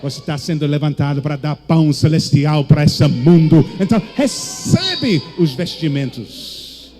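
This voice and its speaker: A male preacher with an English-speaking foreign accent, delivering a theatrical charismatic sermon in halting, non-native speech. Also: a little high, animated, mellow, soft background music. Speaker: guest preacher. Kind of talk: charismatic sermon in Portuguese as a second language.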